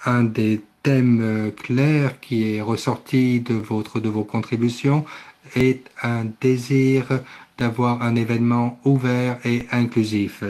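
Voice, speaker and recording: A man interpreting a conference session live, speaking haltingly and often correcting himself. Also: medium pitch, darkish tone. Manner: halting delivery with self-corrections. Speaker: simultaneous interpreter.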